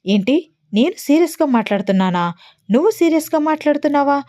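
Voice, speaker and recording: A woman's voice: sits high, lively intonation, fast talker, warm tone, voice pushed up. Woman reading a snappish bed-bound young man. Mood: frustrated. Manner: snappish, short-tempered. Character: irritable injured young man in hospital.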